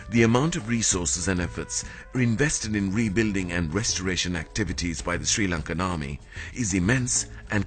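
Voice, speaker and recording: A man reading a formal, scripted documentary narration in a measured way. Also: sits low.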